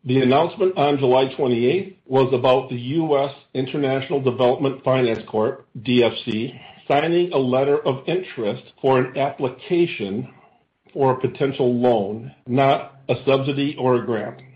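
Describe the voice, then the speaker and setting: A man delivers a prepared earnings presentation as a chief executive. His mid-range voice is formal and measured, broken into deliberate phrases. The sound is muffled and clearly echoey, like a conference call from a reverberant room. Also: medium pitch.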